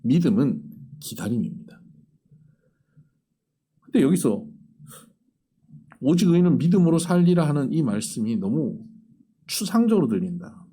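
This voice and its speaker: A man preaching a sermon as pastor, acting out little dialogues and sinking to a soft near-whisper for the tender lines. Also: medium pitch, husky.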